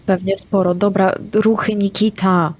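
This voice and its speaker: A woman playing a tabletop game, speaking her character's lines in a brisk, matter-of-fact way. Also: mid-range voice, flat delivery. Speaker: player.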